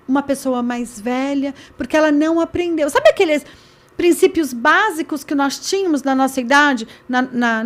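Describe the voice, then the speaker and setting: A podcast host speaks in a high voice. She talks with emphasis and lists her points one after another in a casual conversation.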